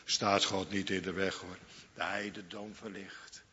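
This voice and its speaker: A man's voice: sits low, flat delivery, measured pace, bright, forceful tone, in a large hall, dull audio. A man preaching a sermon, fervent and repetitive, lingering on each phrase.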